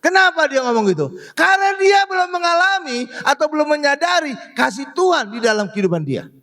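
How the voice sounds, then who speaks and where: A male pastor preaching a sermon in an animated way, exclaiming and often asking the congregation to agree. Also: extremely high pitch.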